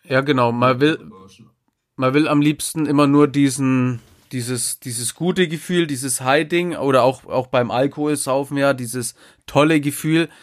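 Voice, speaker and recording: A man in casual conversation, speaking haltingly and reflectively about his past. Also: mid-range voice, steady tone. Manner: halting, with many fillers and restarts, reflective. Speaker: former drug user sharing experience.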